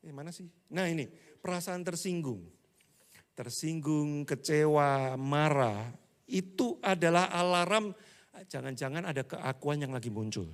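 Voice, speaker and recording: A man preaches to his congregation in an easygoing, humorous way, often slipping into little acted-out complaints. His voice sits a bit high, and it swings from bursts of volume down to near murmurs. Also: measured pace. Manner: humorous, acts out church members' complaints; animated, with swings between loud and hushed. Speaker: pastor. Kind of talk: casual sermon to a congregation.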